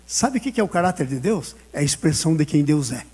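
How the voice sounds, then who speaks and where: A man's voice: on the high side, lively intonation, fast talker, mellow, husky. A male pastor preaching a sermon, telling a personal story and acting out the dialogue with frequent laughter.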